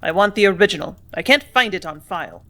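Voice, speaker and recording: A woman's voice: mid-range voice, fairly quick, sharp tone, natural voice. A woman doing a blustering angry superintendent. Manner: snapping, roaring, bullying. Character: brusque blustering male factory superintendent.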